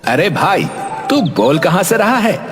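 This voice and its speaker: A man's voice: high-pitched, big pitch swings, measured pace, long reverb tail. A man voicing a showy stage magician in a cartoon, delivering sing-song showman patter. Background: background music.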